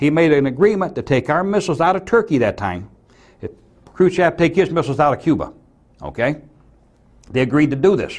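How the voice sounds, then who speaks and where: Lively in intonation and fairly quick, a man talks at a fairly high pitch with vocal fry. Long, frequent pauses break up his speech. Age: 60s. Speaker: prison inmate. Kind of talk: interview.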